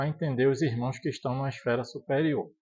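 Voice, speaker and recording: A man talks at a moderate pace in a fairly high voice. His delivery is somewhat breathy. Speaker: spiritist lecturer. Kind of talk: lecture. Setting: spiritist center with audience and PA system. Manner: soft-spoken.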